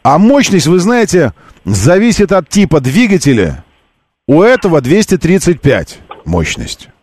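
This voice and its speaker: Male radio host, lively swooping pitch, casual live quiz chat, halting, self-correcting, bantering.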